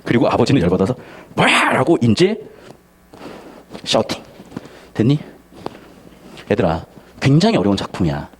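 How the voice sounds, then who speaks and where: Guy tutor lecturing students, quick and animated, acts out the lines, slangy. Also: fairly low pitch, breathy edge. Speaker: Korean language and literature tutor.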